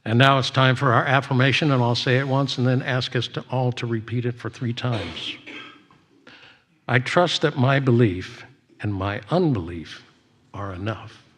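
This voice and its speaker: A man leading a church service, giving announcements and devotional readings in a measured way with frequent pauses. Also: mid-range voice, a bit bright.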